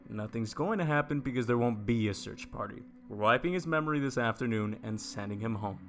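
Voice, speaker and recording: A man's voice: mid-range voice, fairly quick, fairly bright tone, faint music behind, natural voice. An actor playing a blunt, dismissive man in an audio drama, speaking in a curt, confident, matter-of-fact way. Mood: dismissive, assured. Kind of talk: naturalistic audio drama podcast acting.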